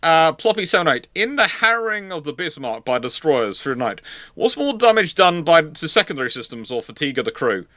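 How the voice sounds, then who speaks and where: A man's voice: fairly high pitch, sing-song, a little fast, sharp tone, no echo. A man hosting a casual live question-and-answer stream, stammering and often repeating words as he restarts his phrases. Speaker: livestream host answering viewer questions.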